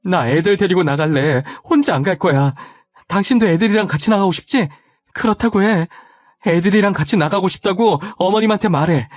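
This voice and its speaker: A man's voice: high-pitched, fairly quick, no room sound, pitched above the performer's own voice, natural voice. A man voicing a desperate pleading young wife. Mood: panicked. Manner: pleading, insistent, rambling.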